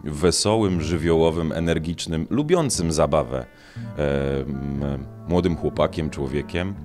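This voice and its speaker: A young man, an actor, talking in a measured, halting way in an interview. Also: extremely low pitch, a little mellow. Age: young adult. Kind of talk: interview talk. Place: indoor corridor. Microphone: handheld reporter microphone. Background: music.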